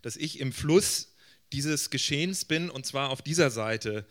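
A man's voice: medium pitch, lively intonation, measured pace, fairly bright tone. A man working as a church interpreter, relaying a speaker's address informally in short consecutive phrases.

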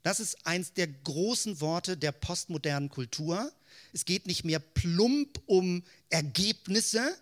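A man's voice: sits high, expressive, slow pace. A man giving a theological teaching talk, explaining step by step in keyword lists and asking rhetorical questions. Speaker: Christian teacher.

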